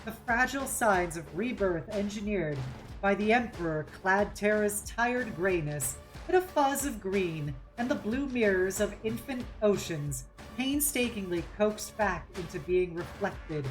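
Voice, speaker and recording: A woman narrating a novel aloud on a live read-along, in a measured, theatrical storytelling style. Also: medium pitch, lively intonation, soft background music, rough recording. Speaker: streamer reading aloud.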